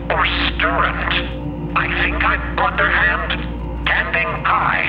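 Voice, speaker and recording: Casting: eccentric sci-fi radio voice, raised pitch, deadened flat delivery, muffled transmission. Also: male voice, slow pace, vocal fry, full character voice. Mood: cryptic, puzzled. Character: odd radio companion speaking in invented rhyming jargon. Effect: radio filter. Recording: dull radio sound under loud music.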